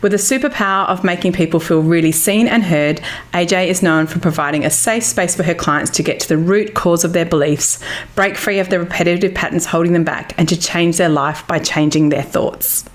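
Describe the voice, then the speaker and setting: A woman's voice: fairly low pitch, a little fast. A woman hosting a podcast interview, chatty and bubbly, laughing often. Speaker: podcast host. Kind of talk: casual interview chat.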